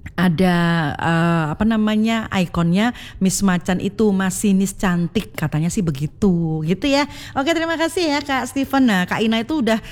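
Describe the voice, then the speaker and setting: A woman hosts a live radio call-in show. She keeps the talk friendly and flowing, reads out greetings, and drops phrases into her speech. Her voice sits at an ordinary middle pitch. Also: darkish tone. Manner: friendly, talkative, mixes in Javanese phrases. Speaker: radio host.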